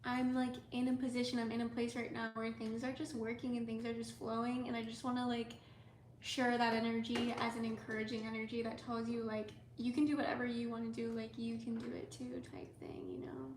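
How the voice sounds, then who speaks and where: A young woman from the United States, hosting a casual livestream as an artist. She talks softly and rambles with lots of "like" and "um", sometimes dropping almost to a whisper. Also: fairly high pitch, brisk. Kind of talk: casual livestream chat with viewers. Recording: echoey room with faint ambient noise.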